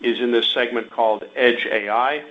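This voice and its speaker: A man's voice: mid-range voice, fairly even intonation, normal speed. A man speaking as a company executive on an earnings call, explaining things to investors with examples. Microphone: conference call line. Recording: dull conference call audio with hum.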